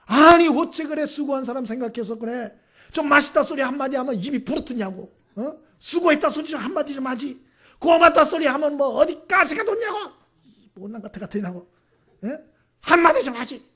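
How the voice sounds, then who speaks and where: A man's voice: steady tone, normal speed, pauses often, a little mellow, slightly rough. A man voicing a middle-aged housewife who scolds her family for never thanking her for the holiday meal. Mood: indignant. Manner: shrill, scolding complaint.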